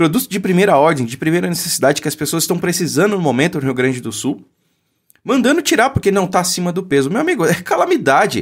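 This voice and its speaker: With a Brazilian accent, a man talks at a very fast pace in a high pitch. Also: lively intonation. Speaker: political commentator. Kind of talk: angry political rant. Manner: indignant, sarcastic, emphatic; urgent, preachy, pleading for shares.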